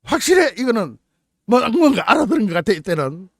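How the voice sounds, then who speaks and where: A man's voice: sits high, big pitch swings, fairly quick, dry recording, studio quality. A man hosting his own channel, commenting on the news in a mocking, incredulous way. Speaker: political YouTube channel host.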